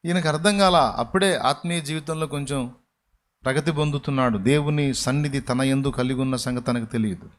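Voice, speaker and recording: A man preaching a sermon as pastor, telling a story and acting out its voices with sudden loud and hushed turns. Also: mid-range voice, a little fast.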